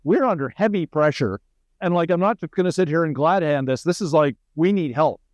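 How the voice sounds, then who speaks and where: A middle-aged Canadian man with a fairly high voice speaks as a military guest in an interview. The sound is dry, with little room in it. He explains things conversationally and drops in wry asides. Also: a little fast, no echo.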